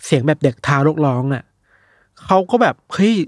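A young man casually retelling news stories on a podcast, animated and acting out the people he quotes. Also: on the high side, brisk, slightly rough, no echo, clean studio sound. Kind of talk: casual storytelling chat.

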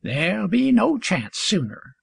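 A woman voicing a gentle, soft-hearted old farmer who speaks softly. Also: medium pitch, wildly swooping pitch, husky, no room sound, pitched below the performer's own voice, full character voice. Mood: tender. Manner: soft, slow, imploring.

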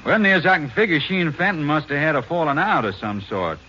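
An actor playing an obliging but disapproving country rancher in a radio western, giving folksy, hedging answers. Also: male voice, fairly high pitch, lively intonation, fast, sharp tone, dull audio. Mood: obliging, hesitant. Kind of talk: 1950s radio western drama acting. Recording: faintly noisy, band-limited old radio recording.

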